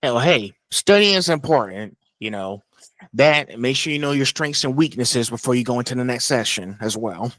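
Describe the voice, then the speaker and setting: A man hosting a casual interview, with loose and halting phrasing as he asks questions. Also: mid-range voice, animated, fairly bright tone, no echo, rough recording. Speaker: interview host.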